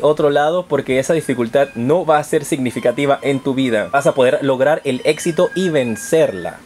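A man with a slightly high voice and darkish tone hosts an informal tarot horoscope on his channel. He speaks directly to viewers in an affectionate, encouraging way.

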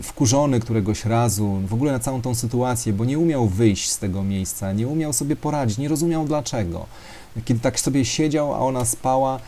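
A man's voice: medium pitch, mellow. A man telling a story to an audience, talking hesitantly with fillers and speaking directly to his listeners.

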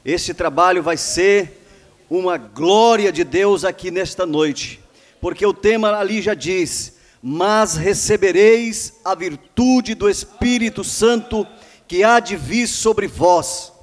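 A man's voice: sits high, slow. A man with a Brazilian Portuguese accent presenting a church service, fervently calling out praise and welcoming viewers. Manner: fervent, repeated praise calls. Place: church hall. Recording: reverberant church hall.

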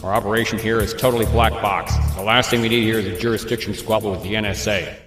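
An actor playing a stern, arrogant black-ops commander in a game cutscene, clipped and commanding. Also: male voice, lowish voice, steady tone, fast, fairly bright tone, lightly acted. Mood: cold, commanding. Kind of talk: video game cutscene acting. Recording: echoey hall reverb, faint music behind.

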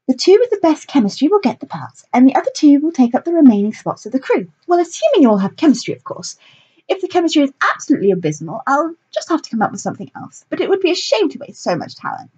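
Woman doing a showy stage director, high and lively, affected, darling-this darling-that. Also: dull audio. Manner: affected, calls everyone darling. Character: theatrical woman stage director, doting and grand.

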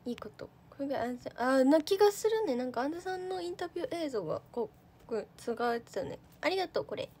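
A woman's voice: high voice, sing-song, fast talker, darkish tone. A young woman, an idol trainee, chatting casually on a livestream, reading out viewer comments. She is talkative and giggly and uses a lot of fillers.

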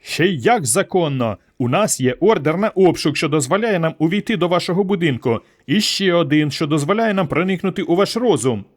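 Man playing a loud, rude cop barking threats, raised voice, pushy. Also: a little high, expressive, brisk, hardly any pauses, voice pushed up. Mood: bullying. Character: gruff bullying male police sergeant.

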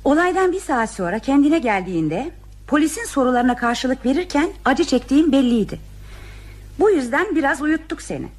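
An actress in an old radio drama, playing a firm but affectionate nurse who likes to tease. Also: female voice, high-pitched, lively intonation, normal speed. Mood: reassuring. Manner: firm and affectionate, fond of teasing. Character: teasing, motherly hospital nurse, adult woman.

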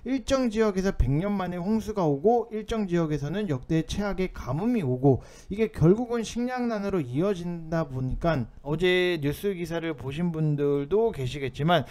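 A man's voice: high voice, lively intonation, moderate pace, hardly any pauses, darkish tone. A man hosting an informal stock market commentary, explaining things in an insistent, somewhat urgent way. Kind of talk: informal market commentary over on-screen notes.

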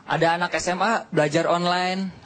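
A man's voice: high-pitched, steady tone, normal speed. A young man performing a stand-up comedy set on a TV studio stage, telling punchy stories in casual slang. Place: TV studio stage with live audience. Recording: loud audience laughter and noise.

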